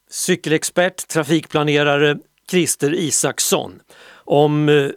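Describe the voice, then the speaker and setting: Gravelly radio co-host man. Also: fairly high pitch, no echo, studio quality. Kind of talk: casual radio chat.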